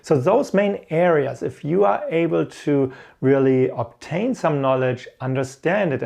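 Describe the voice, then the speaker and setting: German-accented man with a creaky voice. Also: medium pitch, darkish tone. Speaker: host of an IT career advice channel. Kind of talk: instructional talk with personal stories.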